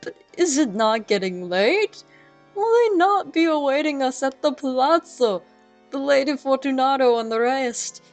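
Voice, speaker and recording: A shrill, giddy drunk of a nobleman, as a woman puts him on for a story reading, cackling and pleading by turns. His voice climbs far above her own and comes out loud and strained. Soft music plays faintly underneath. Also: animated, measured pace, heavily acted. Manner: manic laughter breaking into pleading.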